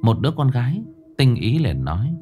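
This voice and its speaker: A man narrating a horror story with a dramatic reading style, slowing down for suspense. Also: medium pitch, wildly swooping pitch, warm tone, soft background music.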